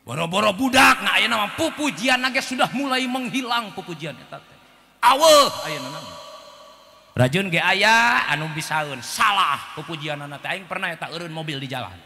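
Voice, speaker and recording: A Sundanese-accented man delivers a comic sermon in a high, tense voice. He jumps from sung verses to shouted warnings and quiet teasing asides. The hall carries a long reverb over a faint background hum. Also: animated, moderate pace, vocal fry. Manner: joking, swings between chanting, shouting and muttering asides. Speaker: preacher.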